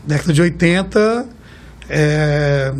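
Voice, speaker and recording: A Brazilian man in his fifties, a guest in an interview, talking in a chatty, storytelling way and often ending phrases with a quick "right?". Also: a little high. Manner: chatty, warm storytelling, keeps tagging phrases with a questioning "right?". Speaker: guest, car rental executive. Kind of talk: casual interview talk.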